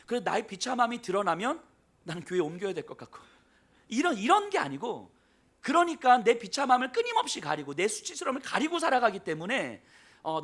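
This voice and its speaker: A male pastor gives an emotional sermon in a slightly husky, fairly high voice. His pitch swings widely, dropping to near whispers and rising to loud, pleading appeals. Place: church.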